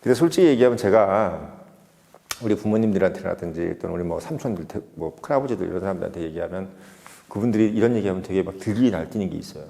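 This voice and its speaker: A man's voice: low voice, lively intonation, quick pace, creaky, warm tone, in a large hall. A man giving an emphatic political opinion monologue, full of rhetorical questions. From Seoul. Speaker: political commentator.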